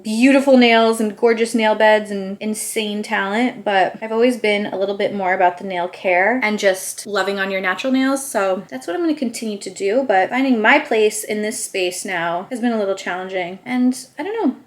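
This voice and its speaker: A woman's voice: mid-range voice, moderate pace, hardly any pauses. A young woman vlogger chatting casually at home while painting her nails, upbeat and rambling, a little out of breath. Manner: chatty, upbeat, rambling with frequent "like" and "I don't know". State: slightly out of breath. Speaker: beauty vlogger. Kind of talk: casual chat while doing a manicure. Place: dining room at home.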